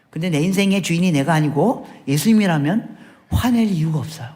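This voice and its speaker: A middle-aged man, a missionary, preaching a sermon in a church, putting frequent questions to the congregation and dropping at times to a hushed voice. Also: very high voice. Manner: asks the congregation questions, shifts between loud and hushed speech. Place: church sanctuary.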